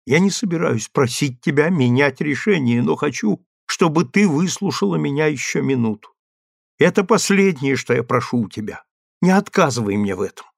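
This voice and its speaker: A man's voice: on the high side, animated, moderate pace, vocal fry, no echo, clean studio sound. A man voicing a desperate, tearful husband who pleads with his wife in a rising, imploring voice. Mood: urgent. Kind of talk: audiobook character reading.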